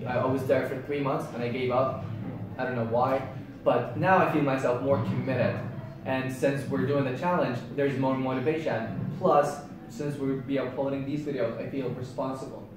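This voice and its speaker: A man's voice: mid-range voice, very echoey, recorded from a distance, noisy background. A man in his twenties from Yemen whose native language is Arabic, co-hosting a casual chat in an upbeat, eager way. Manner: upbeat and eager, laughs often. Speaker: co-host.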